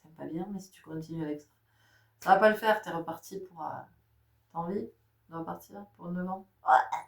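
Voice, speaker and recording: A middle-aged woman, a spiritual guide with a stuffy nose from a cold, gives a casual spiritual talk addressed directly to her listeners, frequently breaking into laughter. Her voice is fairly low, fairly quick, and creaky. The recording sounds roomy, with the mic placed at a distance.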